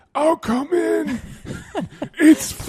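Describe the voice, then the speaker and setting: The speaker uses a put-on character voice pitched high. It sounds wheezy throughout. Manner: wheezing; comically feeble.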